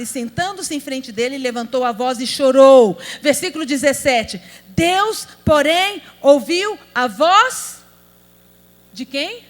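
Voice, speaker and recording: High-voiced woman pastor preaching in a hall. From Brazil. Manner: emphatic, rhetorical questions to the audience. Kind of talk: sermon. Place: large convention hall. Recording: hall reverb with mains hum.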